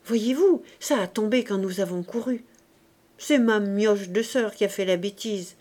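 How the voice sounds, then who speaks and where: A woman voicing a poor, brash young girl who chatters loudly and boastfully. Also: medium pitch, measured pace, close to an everyday voice. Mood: excited. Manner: loud, eager, boastful chatter.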